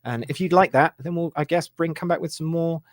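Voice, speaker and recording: Loose, halting livestream host, man. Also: on the high side, steady tone, no room sound, studio quality. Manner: loose, halting, lots of fillers. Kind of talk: casual livestream hosting.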